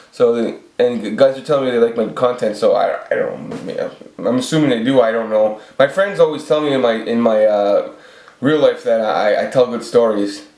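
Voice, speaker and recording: Audible room echo and noticeable background noise surround the recording. A man with a Canadian accent speaks at a moderate pace. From Canada. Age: 40s. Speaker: vlogger. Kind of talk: casual monologue vlog. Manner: rambling, halting.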